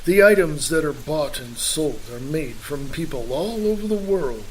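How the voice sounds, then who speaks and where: A man giving scripted radio narration and promo reads as an announcer, in a deliberate, measured manner. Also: a little high, expressive, poor audio.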